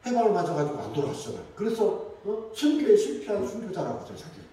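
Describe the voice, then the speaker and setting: A man delivers a Sunday sermon with animated storytelling and acts out the lines of the people in his stories. His voice sits high for a man. It rings through a very echoey church hall and is picked up from some distance away. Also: quick pace, slight background noise. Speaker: pastor. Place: church sanctuary.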